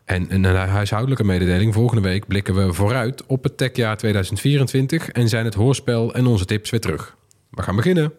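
A man's voice: on the low side, darkish tone. A man, presenting and chatting as a podcast host.

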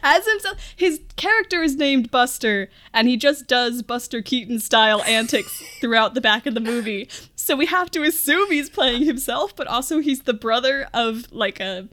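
A woman's voice: on the high side, expressive, moderate pace, few pauses, a bit bright. A woman co-hosting a podcast in a casual film recap, often breaking into giggles as she talks. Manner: giggly, breaks into laughter while talking. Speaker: podcast co-host.

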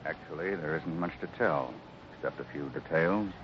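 Stoic ranch foreman, deep voice, solemn, measured, radio western, dull vintage sound. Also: background noise. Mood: somber recounting. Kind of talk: old-time radio western acting. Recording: dull old radio recording with music.

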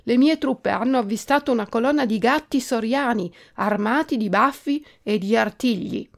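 A woman voicing an alarmed male mouse captain in a storybook, shouting his report. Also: on the high side, normal speed, gravelly, pitched above the performer's own voice.

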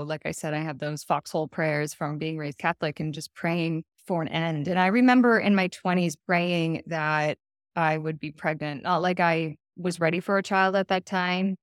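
A woman's voice: lowish voice, no echo, studio quality. A woman in her thirties, a podcast guest, telling her recovery story in an earnest, reflective way. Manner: earnest, reflective, speaks in short plain sentences. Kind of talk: candid personal recovery story.

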